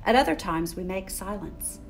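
Older lady doing kids story time, gentle careful phrasing, music playing behind her. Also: medium pitch, lively intonation, normal speed, creaky. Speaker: children's story time host. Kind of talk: children's story time, picture book read-aloud. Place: furnished room in a church building.

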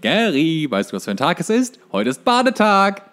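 A man's voice: high voice, wildly swooping pitch, normal speed, gravelly, fairly bright tone, pitched above the performer's own voice, exaggerated voice. Exasperated, bossy male cartoon pet owner, put on by a man in casual retelling.

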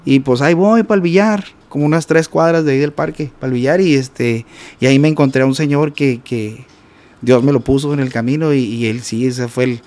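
A man with a Mexican accent, a guest musician telling a story in a casual interview, animated and repetitive, sometimes mimicking notes with "ta ta". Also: medium pitch, brisk.

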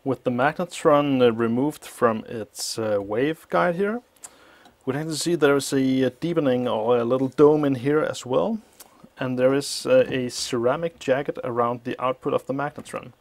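A man explaining a teardown of an old appliance at a workshop bench, thinking aloud with many pauses, his voice slightly muffled by a mask. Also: mid-range voice. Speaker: electronics teardown host. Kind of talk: hands-on technical walkthrough.

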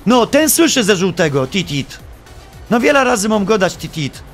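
A man streaming live, giving gameplay commentary in an animated, joking and playfully exasperated way. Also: high-pitched, moderate pace, soft background music.

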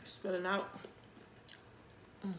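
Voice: slow pace, a bit bright. A mukbang vlogger chatting casually and off the cuff, chewing while talking with a mouth often full. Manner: talks with mouth full, chewing between phrases. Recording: roomy echo, faint background noise.

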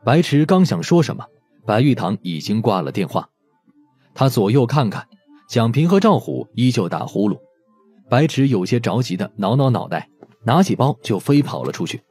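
A man's voice: medium pitch, very animated, normal speed, darkish tone, slightly rough, faint music behind. A man narrating a scripted audiobook story expressively.

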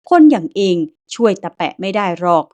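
A woman voicing a huge, gruff male guard of the underworld who barks coarse orders. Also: medium pitch, fairly quick, a little mellow, lightly acted. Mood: scolding. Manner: barking, coarse.

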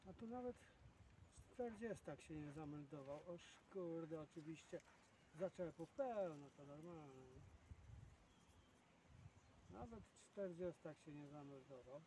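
A man who makes fishing vlogs mutters to himself in brief, wandering fragments at a windy outdoor spot. His fairly high voice is mellow and slow, with long pauses, and the noisy recording places him well away from the mic.

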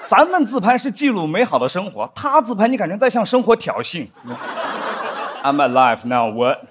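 A young adult man performing a stand-up comedy set on a studio stage, animated, now and then acting out stiff drama lines in a lower voice. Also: quick pace, noisy background. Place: studio stage with live audience. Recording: studio stage with audience laughter. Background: audience laughter.

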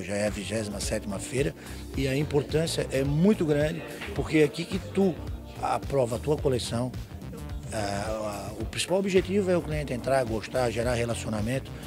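A man's voice: medium pitch, moderate pace. A man in his fifties, a businessman, speaking earnestly in an interview at a trade show stand. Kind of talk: casual interview. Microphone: handheld mic. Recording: clear music under speech.

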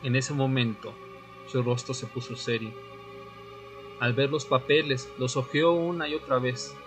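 A man playing a brooding vampire, once a history student, in a radio drama, speaking solemnly in short, deliberate phrases. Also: mid-range voice, fairly even intonation, lightly acted. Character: brooding male vampire, former history student, seeking answers. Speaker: narrator and lead actor. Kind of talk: audio drama narration and dialogue. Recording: music bed under the voice.

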